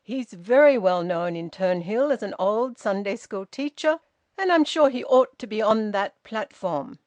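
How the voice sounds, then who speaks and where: A woman's voice: mid-range voice, animated, moderate pace, a little mellow, dry recording, natural voice. A woman voicing a young woman with a precise, haughty way of speaking. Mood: insistent.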